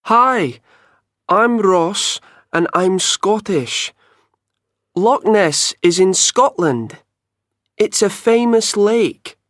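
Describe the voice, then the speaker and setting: A speaker reading scripted textbook lines slowly and clearly. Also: mid-range voice, no room sound, clean studio sound.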